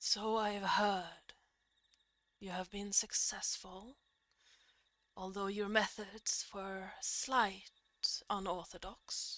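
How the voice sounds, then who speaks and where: Putting on a gravelly character voice at medium pitch, a woman speaks at a very slow pace with long, frequent pauses. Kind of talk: archaic formal speech. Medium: actual play. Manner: formal, solemn, measured.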